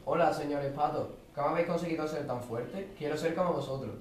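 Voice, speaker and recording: A teenage boy reads out play dialogue in a slightly high voice. He is a little far from the mic in a very echoey classroom. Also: fast talker. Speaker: student reading radio play parts. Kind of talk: scripted dialogue, read aloud. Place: school classroom. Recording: very echoey classroom, distant mic, faint noise.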